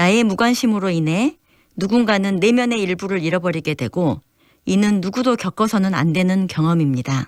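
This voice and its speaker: On a very clean recording with a silent background, a woman with an unremarkable speaking voice and medium pitch talks at a moderate pace, with lively intonation and very even loudness. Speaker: dental hospital director and dentist. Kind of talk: radio column commentary.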